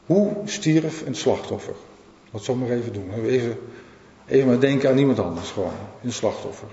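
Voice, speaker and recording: A man preaches a sermon, earnest and given to repeating his phrases and putting questions to the listeners. His voice sits at an ordinary pitch for a man. It carries through a roomy church hall with a long echo, recorded with a dull, lo-fi sound. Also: mellow.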